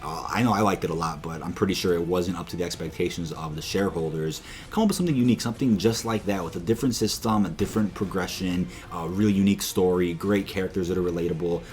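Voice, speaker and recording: A man's voice: low voice, fast talker, few pauses, darkish tone. A man giving informal, opinionated video commentary to viewers as a gaming news host, explaining things with emphasis. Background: background music.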